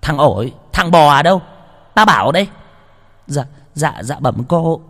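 Man voicing a shrill spoiled mistress. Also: big pitch swings, normal speed, long reverb tail. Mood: commanding. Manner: screeching, cursing, whiny. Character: spoiled cruel young mistress, shrill, vicious.

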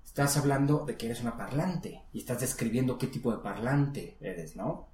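A woman's voice: extremely low pitch, animated, normal speed, warm tone. A woman teaching an English lesson one-on-one, patiently coaching and modeling pronunciation. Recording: echoey room.

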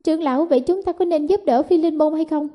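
A woman voicing an anxious young holy maiden who asks quick, worried questions. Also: high voice, highs cut off, pitched above the performer's own voice, lightly acted.

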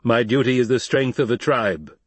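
A man's voice: mid-range voice, moderate pace, slightly rough, no echo, lightly acted. A man playing a tall, stern desert tribal leader in an audiobook, speaking formally and with authority. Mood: firm, declaring.

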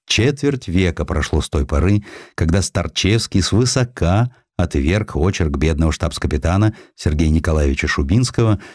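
A man reading a historical sketch as an audiobook narrator, with a theatrical, expressive delivery. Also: low voice, no room sound, clean studio sound.

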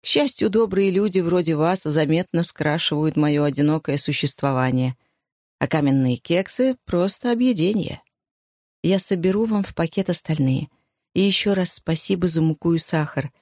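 A woman reading the part of a lonely, courteous German-born eye surgeon, speaking with a German accent in a measured, wry way. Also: sits low, a little mellow, dry recording, clean studio sound. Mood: grateful.

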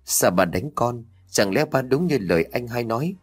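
A man's voice: expressive, normal speed, husky. A timid young village girl pleads in a raised, anxious voice with a lilt, as a male storyteller puts her on. Her voice rides well above a man's usual talk and swings widely. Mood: distraught. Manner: anxious, pleading, high-pitched.

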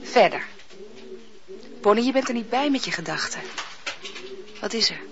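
A brisk young maid, scolding and impatient as she teaches. Her voice is bright and clear-cut. The recording is dull and lo-fi, like an old radio drama. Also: a little high, lively intonation. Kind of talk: radio play acting.

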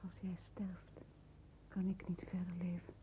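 A woman acting a devoted, dreamy young lover in a 1960s radio play, speaking in a hushed near-whisper. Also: fairly low pitch, monotone, unhurried, close to an everyday voice. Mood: rapt, tender. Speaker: actress in a radio drama. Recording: noisy old radio recording.

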